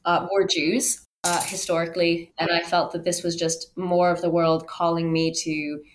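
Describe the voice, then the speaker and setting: A woman in her thirties speaks as a podcast guest, with a voice on the low side. She tells personal stories in an animated, conversational way, often voicing her own thoughts as quotes. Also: moderate pace, a little hiss or hum. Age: 30s. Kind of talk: conversational interview, personal storytelling.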